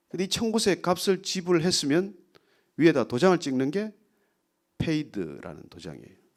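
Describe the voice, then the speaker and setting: A man with a fairly high pitch and lively intonation, in a very clean recording with a silent background. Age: 60s. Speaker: pastor. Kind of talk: lecture-style sermon. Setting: church.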